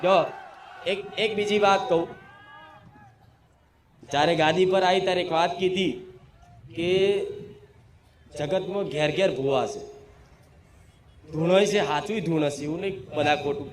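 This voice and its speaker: A man, a spiritual medium preaching to a crowd in a forceful, declamatory manner. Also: sits high, normal speed, long pauses. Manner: commanding, declamatory, leads call-and-response chanting. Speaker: spiritual medium speaking as the goddess. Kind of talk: possessed devotional sermon to a crowd. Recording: echoey room with faint ambient noise.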